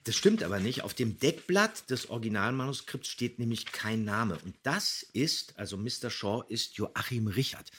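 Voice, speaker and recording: A man's voice: mid-range voice, animated, moderate pace, few pauses, fairly bright tone, husky. A man hosting a podcast, giving conversational commentary on audio dramas. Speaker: podcast host.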